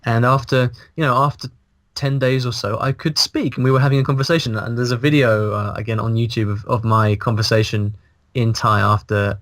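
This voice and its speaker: A man in his thirties, a guest on a video call, talking in a casual, animated way and restarting his sentences as he thinks aloud. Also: medium pitch, fairly quick, no room sound, clean studio sound. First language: English. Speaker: guest, language blogger. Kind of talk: casual interview. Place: small room indoors. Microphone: video call, earphones, mic in front.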